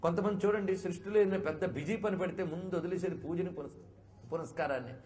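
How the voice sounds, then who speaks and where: A man giving a devotional discourse, explaining patiently and asking many rhetorical questions, sometimes gently chiding his listeners. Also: sits high, fast. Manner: chiding, conversational. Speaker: spiritual speaker.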